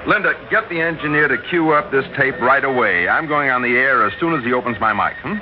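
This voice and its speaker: A man's voice: medium pitch, expressive, quick pace, close to an everyday voice. An actor playing a brash, self-assured male radio newsman in an old-time radio drama. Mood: eager. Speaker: radio newscaster. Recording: dull old radio recording, loud hiss.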